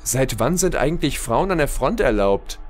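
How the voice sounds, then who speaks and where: A man's voice: mid-range voice, big pitch swings, moderate pace. Guy playing a confused soldier in an audio play, earnest, mid voice, bit of music behind. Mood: puzzled, reflective. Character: bewildered male soldier questioning what is real. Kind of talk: German audio drama acting.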